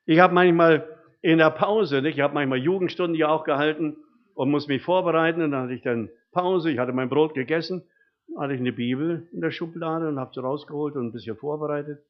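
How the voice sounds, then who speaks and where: A man's voice: on the high side, fairly quick. An older man preaching a sermon, telling homely stories from his life and often tagging his sentences with rhetorical questions. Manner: folksy storytelling with frequent rhetorical tag questions. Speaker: lay preacher. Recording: dull, muffled recording.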